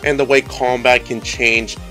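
Man, guest contributor, prepared game commentary, average pitch, soft music underneath. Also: little pitch movement, unhurried. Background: music behind the voice.

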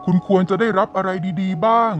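A man's voice: high voice, steady tone, brisk, a bit bright, highs cut off, faint music behind. A man playing a polite, earnest company president who poses as a poor beggar in a cartoon story. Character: company president posing as a blind, grateful beggar.

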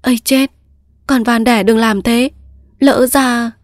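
A timid young daughter-in-law, meek and pleading, her voice lifted a little higher, as a woman narrator puts her on. The sound is dry and close. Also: fairly even intonation, slow pace, no room sound.

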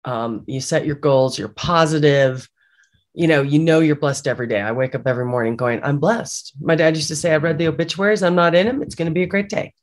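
A woman's voice: sits low, brisk. A woman in her forties hosting an interview, asking chatty, upbeat questions with quoted asides. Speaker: podcast host. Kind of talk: interviewing a guest. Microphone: studio microphone on video call.

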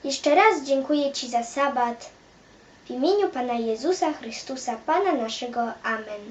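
A woman's voice: high voice, lively intonation, moderate pace, slight background noise. A woman leading a simple spoken prayer, phrase by phrase. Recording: echoey room.

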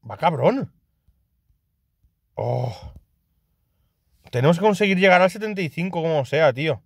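A young man with a Spain Spanish accent giving casual, excitable gameplay commentary, swearing and laughing often. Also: a little high, a little slow, creaky, slightly rough, dry recording, clean studio sound. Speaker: gaming youtuber.

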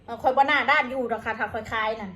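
A woman with an Isan accent and a high voice vents at her viewers. She talks in a coarse, combative way and curses freely. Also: racing, a bit bright. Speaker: vlogger. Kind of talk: angry rant to viewers.

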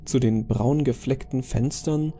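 A man's voice: medium pitch, a little slow, dark tone, a little hiss or hum. A man narrating a scripted creepypasta horror story.

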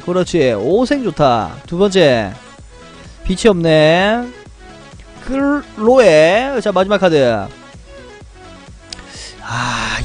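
A high-voiced young man calls out his game draws with big swings in pitch. He chants and shouts when the results go his way. Faint music plays under him. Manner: animated, chants and shouts at good pulls. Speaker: game streamer. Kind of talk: excited gacha pull commentary.

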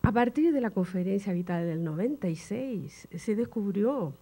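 An older woman lectures from a table microphone in a university hall. Her voice is dark and mellow at a middle pitch, and her Spanish carries a Portuguese tinge. She keeps the talk informal, checking in with a questioning tag. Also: normal speed. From Chile. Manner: relaxed, chatty, tags sentences with "¿no?". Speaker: guest lecturer. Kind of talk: academic lecture. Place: university auditorium. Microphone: table mic.

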